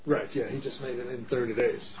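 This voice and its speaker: A man's voice: mid-range voice, fairly even intonation, a little fast. Middle-aged man from the Czech Republic, earnest co-host, emphatic with restarts; dull recording with faint hiss. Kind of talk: casual discussion. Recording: dull lo-fi audio with faint noise.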